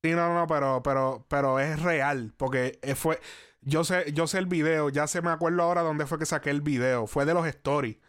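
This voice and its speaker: Rambling man, fairly high voice. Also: normal speed, a bit bright. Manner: rambling, restarts often, swears casually. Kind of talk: casual chat.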